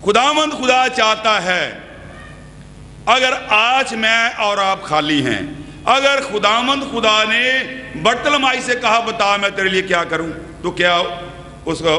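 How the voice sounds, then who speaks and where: High-voiced, bright preacher in a church hall. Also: male voice. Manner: preaching with sweeping arm gestures, questioning the congregation. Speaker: pastor. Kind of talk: sermon. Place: church hall with brick wall, indoors. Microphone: podium microphones. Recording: reverberant church hall with faint hum.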